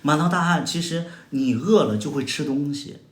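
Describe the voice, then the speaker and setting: A man's voice: fairly high pitch, normal speed. A man from Heilongjiang with a Northeastern Mandarin accent, hosting a livestream and firing sarcastic, combative retorts at viewer comments with exaggerated exclamations. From Heilongjiang, China. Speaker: livestream host. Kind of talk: casual livestream chat answering viewer comments. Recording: echoey room sound.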